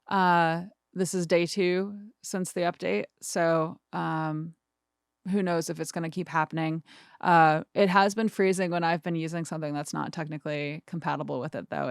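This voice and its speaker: Low-pitched woman with creaky voice, tutorial host. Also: no echo, studio quality. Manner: informal, chatty, self-deprecating. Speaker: music production tutorial host. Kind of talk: casual screen-recorded tutorial.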